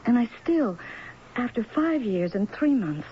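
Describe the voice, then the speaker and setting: An American actress playing an anxious, guilt-ridden wife of a convict in a radio mystery drama, earnest and hesitant. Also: female voice, fairly high pitch, very animated, unhurried. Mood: weary, troubled. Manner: earnest, hesitant, stammering when frightened. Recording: muffled old radio recording, faint noise.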